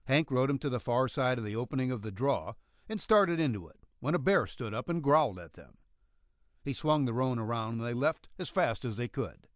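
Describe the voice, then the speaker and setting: A man reads a western tale in a mid-pitched voice. His narration moves up and down in pitch with plenty of variation. The recording is very dry, with no room around it. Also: lively intonation, moderate pace, dry recording. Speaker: audiobook narrator. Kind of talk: scripted narration of a western story.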